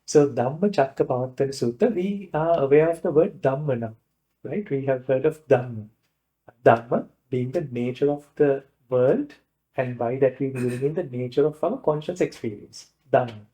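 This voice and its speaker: A man with a Sri Lankan accent, a Buddhist monk giving an informal lecture in a hesitant, explanatory way, often pausing to rephrase. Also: medium pitch, mellow, low-quality recording. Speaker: Buddhist monk teaching a class.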